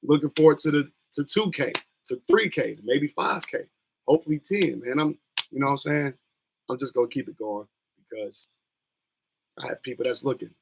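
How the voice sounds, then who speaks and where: A man's voice: mid-range voice, moderate pace, vocal fry. A young man with a scratchy voice, chatting loosely in slang as he hosts a livestream. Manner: loose, slangy, rambling talk. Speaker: streamer hosting a wrestling watch-along. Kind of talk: casual livestream chat.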